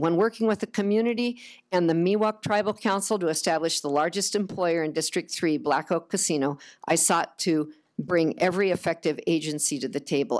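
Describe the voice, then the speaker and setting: An unremarkable speaking voice moves at a fairly quick pace with lively intonation against a quiet background. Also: woman. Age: 60s. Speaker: political candidate. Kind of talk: candidate closing statement.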